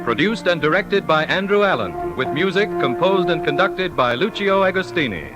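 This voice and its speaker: A male announcer introducing a radio play in a slow, formal, stately manner. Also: on the high side, sing-song, over music. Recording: old 1950s radio broadcast.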